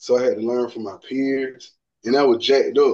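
Moderate pace and medium pitch in a man's voice. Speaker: participant in men's group. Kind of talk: group discussion. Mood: reflective, candid. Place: home room. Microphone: video call.

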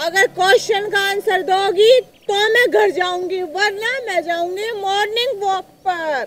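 Light background noise sits under very slow speech with ordinary pitch variation. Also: woman, extremely high pitch for a woman. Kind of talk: acted comedy dialogue. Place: waterside.

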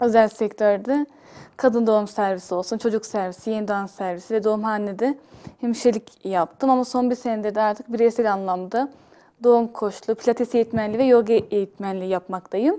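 The woman's tone is dark and mellow. She speaks at a fairly quick pace against a quiet background. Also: fairly even intonation. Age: 20s. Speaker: birth coach and former nurse; guest, birth coach. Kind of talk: interview. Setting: studio. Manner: hesitant, frequent fillers. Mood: calm, friendly. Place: studio.

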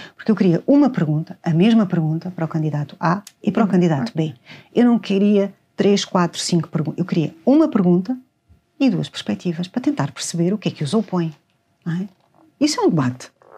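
Somewhat breathy and dark, mellow in tone, a woman speaks at a fairly quick pace with lively intonation. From Portugal. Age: 50s. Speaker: writer and journalist; journalist. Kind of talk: interview conversation. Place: studio. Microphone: lapel.

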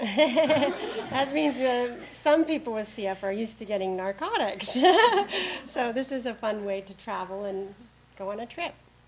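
A woman speaks at a fairly slow pace in a plain, everyday voice. Light background noise sits behind her. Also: fairly high pitch for a woman, lively intonation. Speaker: co-presenter at a patient community meeting. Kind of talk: presentation talk. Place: meeting room.

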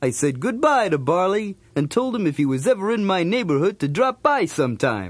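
Just plain reading aloud, nothing more.

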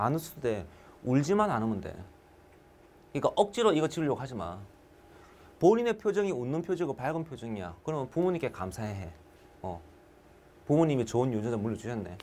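Speaking at a very fast pace, a man makes very wide pitch swings and leaves long, frequent pauses. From South Korea. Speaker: admissions interview prep teacher; teacher. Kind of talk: online lecture. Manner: casual, repetitive filler-heavy. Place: studio. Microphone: lapel.

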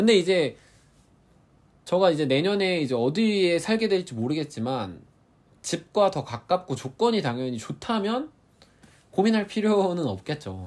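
A man with a high pitch swings very widely up and down in pitch. He talks at a fairly slow pace with long, frequent pauses. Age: 30s. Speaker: architect; interviewee. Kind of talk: interview. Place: home room.

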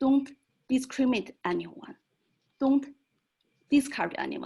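A woman's voice with vocal fry and a non-native accent, at a moderate pace against a quiet background. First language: non-English. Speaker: board of education candidate. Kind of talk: candidate forum answer.

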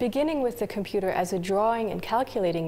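There is light background noise behind a woman whose tone is dark and mellow. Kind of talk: guided tour presentation. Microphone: lapel.

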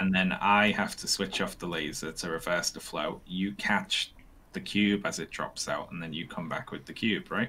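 Fairly even in intonation, a man speaks at a moderate pace. His pitch is very deep and low. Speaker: streamer. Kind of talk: casual chat.

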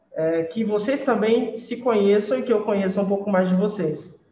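Over light background noise and audible room echo, a man talks at a moderate pace with a high pitch and ordinary pitch variation. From Brazil, São Paulo state (São Joaquim da Barra); São Paulo state, Brazil. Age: 20s. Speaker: teacher. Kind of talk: lecture. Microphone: webcam.

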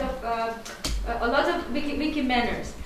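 Amid noticeable background noise and audible room echo, a woman speaks at a high pitch with ordinary pitch variation. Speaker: workshop co-leader. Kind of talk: workshop facilitation. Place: hall.

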